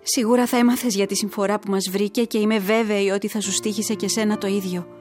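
A woman's voice: mid-range voice, fairly even intonation, over music, natural voice. An actress playing a grieving young woman who tells her story earnestly and emotionally, as in a letter read aloud in a radio drama.

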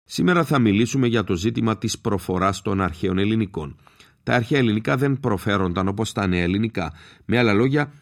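Low gravelly-voiced man explaining steadily. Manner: measured, explanatory, spells out letters slowly. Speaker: linguist giving a lesson. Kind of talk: scripted educational talk.

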